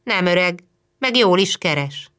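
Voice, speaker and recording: A woman reading the lines of a shy, sorrowful young housemaid, soft and hesitant. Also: on the low side, lively intonation.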